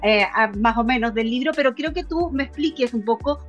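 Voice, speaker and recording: A woman's voice: fairly high pitch, brisk, muffled recording, soft background music. Ramble a little and restart your phrases as a woman hosting an interview. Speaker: interview host. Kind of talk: interview introduction and questions.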